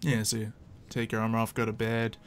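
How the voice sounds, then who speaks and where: A man's voice: on the low side, completely flat delivery, fairly quick, smooth. A man casually narrating an online tabletop roleplay game as game master, in an informal storytelling way. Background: music.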